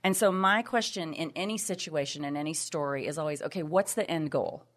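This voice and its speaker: A Texan woman with a low-pitched voice talks into a studio mic as a podcast guest. She is expressive and emphatic, stacking repeated phrases as she talks about faith. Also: brisk. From Texas, USA. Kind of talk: faith-based conversational chat. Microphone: headphones on, studio mic.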